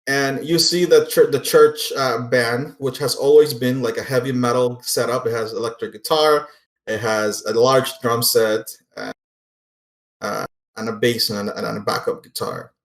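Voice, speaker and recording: A man's voice: medium pitch, steady tone, measured pace. A man running a tabletop role-playing game as game master, narrating in a casual, sweary way. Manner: casual, profane. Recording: roomy echo, faint music behind.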